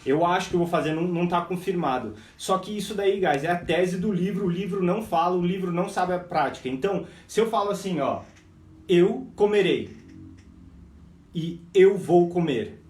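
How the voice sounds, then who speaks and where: A lively Brazilian man teaching English on a live stream, his voice sitting a little higher than most men's. He keeps saying "guys" and slows right down to spell out example phrases. The sound is roomy and echoey, and he seems to stand back from the mic. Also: distant mic. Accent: Brazilian Portuguese. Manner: energetic, repeats "guys", drills example phrases slowly. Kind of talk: live online English lesson.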